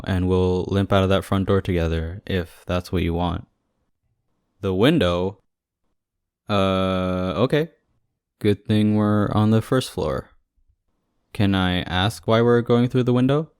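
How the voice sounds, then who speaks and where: A man's voice: deep voice, darkish tone, clean tone, no echo, studio quality. A young man playing a devoted, panicky boyfriend with casual, sarcastic asides in an audio roleplay. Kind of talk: ASMR audio roleplay acting.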